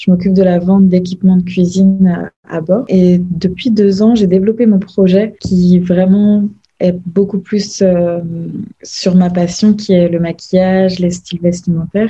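Her intonation is monotone and flat. The woman talks at a fairly slow pace and a medium pitch. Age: 30s. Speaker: image coach and influencer. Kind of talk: podcast interview.

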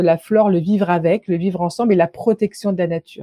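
A woman with a plain, everyday voice speaks at a moderate pace with fairly even intonation. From France. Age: 50s. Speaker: life coach. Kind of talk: interview.

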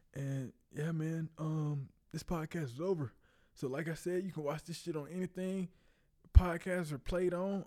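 Fairly high in pitch, a man with an ordinary speaking voice keeps a moderate pace and fairly even intonation in a very clean recording with a silent background. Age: 20s. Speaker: podcast host. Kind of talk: casual chat.

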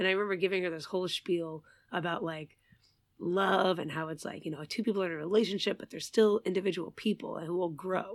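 Talking very fast at medium pitch, a woman has an American accent and fairly even intonation. Her loudness swings widely. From New York City. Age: 30s. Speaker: podcast co-host. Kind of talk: casual chat.

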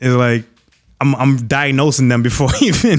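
A man speaks in a normal speaking voice at medium pitch with fairly even intonation. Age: 30s. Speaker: fitness trainer. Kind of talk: casual chat.

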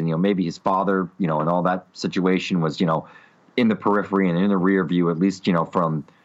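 A man talks at a very fast pace in a very deep, low pitch. His tone is energetic. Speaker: fantasy baseball podcast host. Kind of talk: casual chat.

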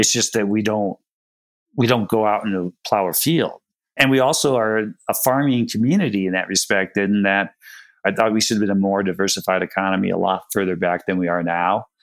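In a very clean recording with a silent background, a man speaks in an unremarkable speaking voice. His pitch is fairly low, with ordinary variation, and his pace is moderate. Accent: American. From US Midwest, Chicago. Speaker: trail foundation director. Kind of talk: casual interview chat.

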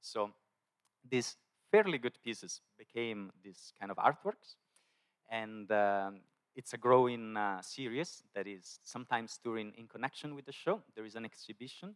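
With an ordinary speaking voice, a man talks at a moderate pace and medium pitch, his pitch varying in an ordinary way and his loudness swinging widely, the sound dry and close with no echo. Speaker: performing artist and choreographer. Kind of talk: artistic talk.

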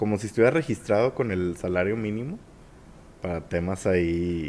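With a plain, everyday voice, a man speaks at a fairly low pitch and a moderate pace, with ordinary pitch variation. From Monterrey, Mexico. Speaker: film and geek culture blogger. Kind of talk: casual chat.

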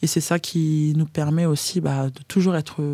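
A woman speaks in a fairly low pitch with a dark, mellow tone. Her intonation stays fairly even. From Paris region, France (Créteil). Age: 20s. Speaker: professional basketball player. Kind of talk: interview.

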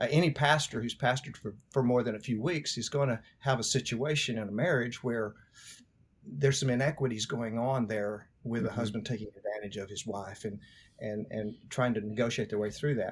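A somewhat breathy man at a fairly quick pace, very clean recording with a silent background. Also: medium pitch for a man, ordinary pitch variation. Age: 60s. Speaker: pastor. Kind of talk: interview.

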